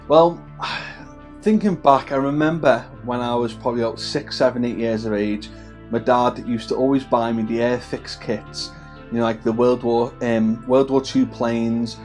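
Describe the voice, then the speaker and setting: A slightly mellow, mid-range male voice belongs to a hobby-channel host from the Wirral in his thirties. He talks to camera casually and warmly, in a Scouse-tinged accent, stumbling into fillers and restarts often.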